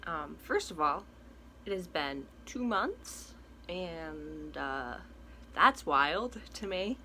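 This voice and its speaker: Recording in a small room at home, a young trans male vlogger rambles through a casual update, full of fillers and restarts, his voice cracking now and then. He talks extremely slowly in a fairly high, sing-song voice that sounds pushed and bright. A slight hiss or hum sits in the background.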